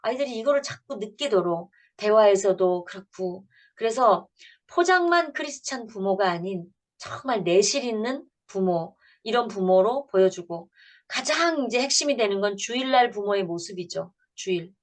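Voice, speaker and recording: A woman's voice: mid-range voice, lively intonation, moderate pace. A woman in her fifties, a pastor lecturing parents at church. She talks in an earnest, storytelling way and plays out family conversations as she goes.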